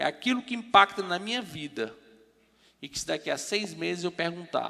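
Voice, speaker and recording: In a Fortaleza accent, a man speaks at a moderate pace with a fairly high pitch, a bright, sharp tone and lively intonation. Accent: Northeastern Brazilian (Fortaleza). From Brazil, Fortaleza (Northeast). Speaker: motivational speaker. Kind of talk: motivational talk. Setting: stage with audience.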